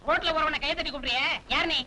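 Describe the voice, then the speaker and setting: An actor playing a muddled, forgetful young college student in a film comedy, bickering in a bewildered way. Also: male voice, very high voice, fairly even intonation, very fast, sharp tone, a little hiss or hum, exaggerated voice. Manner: bewildered, bickering comic delivery. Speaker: comic lead in a film.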